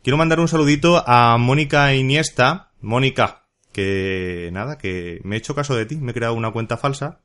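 A man's voice: mid-range voice, normal speed, a bit bright. A man hosting a casual solo podcast, chatty and jokey with playful asides. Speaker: podcast host.

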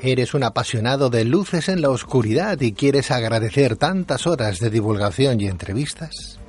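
A man with a Castilian Spanish accent narrates a scripted promo in the role of radio presenter. His pitch is average, and soft music runs faintly behind him. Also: lively intonation, normal speed. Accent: Castilian Spanish from Spain.

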